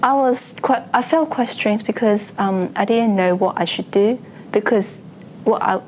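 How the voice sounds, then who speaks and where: Slow, hesitant woman. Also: mid-range voice, slight background noise. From Hong Kong. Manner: hesitant, with restarts and fillers. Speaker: nursing student. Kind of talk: personal account for a university video.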